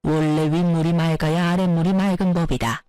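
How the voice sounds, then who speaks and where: A woman voicing a scornful, bullying older mother-in-law who scolds and insults her daughter-in-law in a lower, slower voice. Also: a little mellow, no echo, soft background music, natural voice. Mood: yelling abuse.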